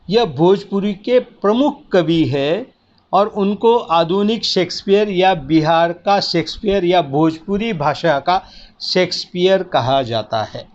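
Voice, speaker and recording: A man's voice: fairly high pitch, a little mellow. A man teaching a lecture class, explaining step by step and often checking in with "है ना". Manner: explanatory, repeats key words, asks "है ना". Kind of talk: spoken lecture. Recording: dull lo-fi sound.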